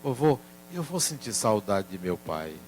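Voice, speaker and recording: A man voicing his sad four-year-old grandson, speaking softly and plaintively through tears. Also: on the low side, big pitch swings, measured pace, a little hiss or hum, pitched below the performer's own voice. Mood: sad, tearful.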